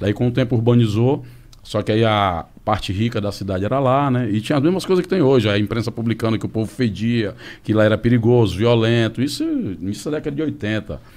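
A man keeps to a medium pitch, varies it in an ordinary way and talks fairly quickly. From Fortaleza, Ceará, Brazil; Ceará, Brazil. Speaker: social activist, head of favela organization; guest. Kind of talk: casual interview. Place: studio. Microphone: studio mic.

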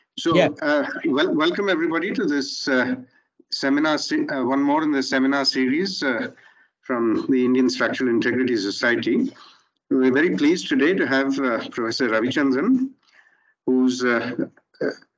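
A man at a moderate pace with long, frequent pauses, ordinary pitch variation, very even loudness and a quiet background. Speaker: webinar host introducing the speaker. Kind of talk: formal introduction of a guest speaker. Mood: friendly, lightly humorous. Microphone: video call.

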